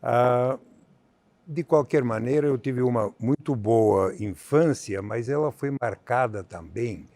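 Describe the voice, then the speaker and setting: Older bulgarian guy on a talk show stage, slow and halting, lots of uhs, gravelly, dry sound. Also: medium pitch, a little mellow, dry recording. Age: 70s. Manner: measured, halting with many fillers. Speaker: guest. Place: theater stage.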